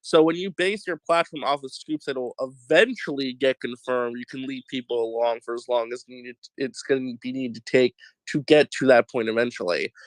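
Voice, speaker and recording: A man's voice: mid-range voice, a bit bright, no room sound, low-quality recording. A man with a congested voice from a sore throat, hosting a casual online debate and laying out his points step by step.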